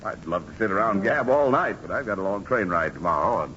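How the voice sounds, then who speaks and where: An evasive, low-voiced houseguest. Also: male voice, lively intonation, quick pace, pushed and bright. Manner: hedging, polite, eager to leave. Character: smooth-talking evasive old school chum. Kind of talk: 1940s radio comedy acting. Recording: dull old radio recording with hiss.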